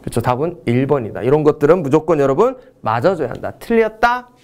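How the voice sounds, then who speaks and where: A middle-aged male lecturer with a high-set voice that leaps around as he teaches exam questions. He jokes constantly and jumps between loud bursts and muttered asides. His energy is restless and playful. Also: fast. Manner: animated, joking, swings between loud and mumbled asides. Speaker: history lecturer.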